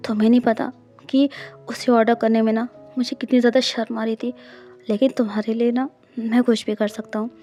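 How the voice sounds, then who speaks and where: A woman voicing a shy, tender young man in an audiobook, speaking softly with hesitant restarts. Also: fairly high pitch, flat delivery, brisk, soft background music, lightly acted. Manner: soft-spoken, hesitant restarts.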